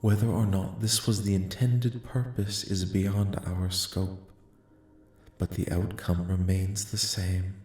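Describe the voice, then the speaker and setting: A man playing a calm, benevolent alien envoy in a soft-spoken ASMR roleplay, speaking formally and solemnly in a measured, soothing way. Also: deep voice, faint music behind. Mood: grave. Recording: echoing, reverberant voice track.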